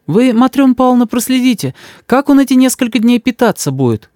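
A man voicing an anxious, tearful young mother who talks in a pleading, soft-hearted way. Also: very high-pitched, very animated, fairly quick, dry recording, studio quality, voice pushed up. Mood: agreeing.

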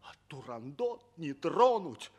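A worried loyal servant, old radio theatre, high voice, swoopy and slow, mournful drawn-out lines. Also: male voice, sing-song. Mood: mournful, urgent. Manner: emotional, drawn-out, lamenting. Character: anxious, devoted male servant warning his prince. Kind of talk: theatrical verse declamation, 1960s radio stage play.

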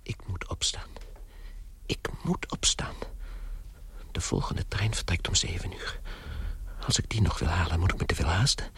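A low, half-whispered male voice in a radio play, the inner thoughts of a tired salesman turned insect. He mutters fretfully and sorry for himself, breath heavy in the words. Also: normal speed, long pauses, fairly bright tone. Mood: anxious fretting. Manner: muttering, fretful, self-pitying. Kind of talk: radio play interior monologue.

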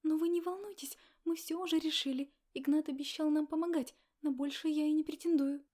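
Woman voicing a young pregnant woman, timid, tearful, soft-voiced, stammering, high voice. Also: steady tone, a little fast, natural voice. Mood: anxious pleading.

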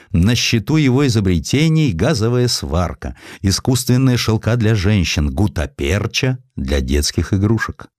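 A man with a low voice reads a historical narrative in a theatrical, ironic way. His intonation is very lively and moves freely up and down. The sound is dry and close, as in a produced audiobook. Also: no room sound. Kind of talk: dramatic scripted narration of a historical essay.

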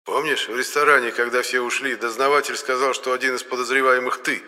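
A man voicing a flighty male spirit who talks in an excited, warning tone. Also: medium pitch, fast talker, big-room sound, voice pushed up. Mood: conspiratorial.

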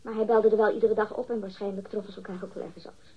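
A woman's voice: mid-range voice, level tone, racing, breathy edge, lightly acted. An actress in a radio drama playing a catty, defensive woman witness, disdainful and emphatic as she gossips. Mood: guarded. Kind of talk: acted radio drama dialogue. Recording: dull, muffled lo-fi radio recording.

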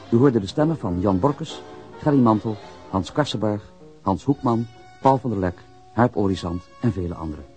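A man reading scripted closing credits as the announcer of a radio drama. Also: on the low side. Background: faint music.

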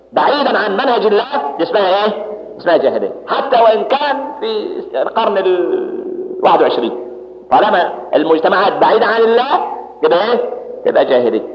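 Lively Egyptian preacher in an echoey hall. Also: male voice, high-pitched. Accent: Egyptian Arabic. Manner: lively storytelling, acts out quoted people. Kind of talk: sermon. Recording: muffled recording in echoey hall.

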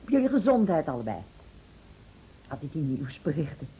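Chic, defensive wife, mellow voice with lively swings, dull old radio play recording. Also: female voice, low-pitched, normal speed, slight background noise. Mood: light, slightly irritated. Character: chic wife, breezy hostess turning defensive and rattled when cornered. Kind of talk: radio drama acting.

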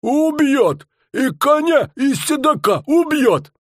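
A boastful, bellowing fairground barker with rustic old-fashioned speech, drawing out his words to draw a crowd. His voice sits very high and swings wildly up and down. The sound is dry and close. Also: very animated, no echo, exaggerated voice. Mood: indignant. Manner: bellowing, drawn-out showman's patter. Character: loud middle-aged male fairground barker, boastful.

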